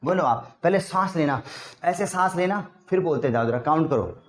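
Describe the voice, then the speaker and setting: A man's voice: fairly high pitch, lively intonation, moderate pace, soft background music. Chatty Hindi-accented male English teacher. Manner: chatty, addresses class with rhetorical checks. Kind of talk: classroom spoken-English lesson. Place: classroom.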